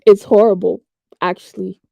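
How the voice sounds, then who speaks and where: A woman's voice: mid-range voice, little pitch movement, normal speed, vocal fry, warm tone, no echo. A young woman from Ghana giving skeptical, emphatic commentary and firing off rhetorical questions. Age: young adult. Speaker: online commentator. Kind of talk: casual political commentary. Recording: dull lo-fi dry recording.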